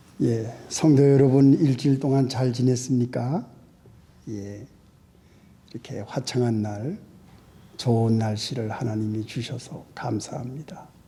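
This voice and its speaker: A man's medium-pitched, somewhat breathy voice with a dark, mellow tone and fairly even intonation, very slow pace with long, frequent pauses, and audible room echo. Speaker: pastor. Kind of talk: sermon. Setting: church. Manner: formal. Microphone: voice sounds weak or quiet through the sound system.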